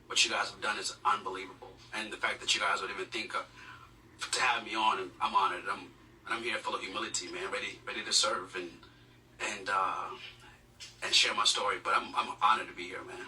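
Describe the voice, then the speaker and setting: A man's voice: fairly low pitch, bright, forceful tone. A man from Uganda, a guest telling his life story in an earnest, humble way with many fillers. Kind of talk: personal storytelling interview. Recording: distant mic with noticeable noise.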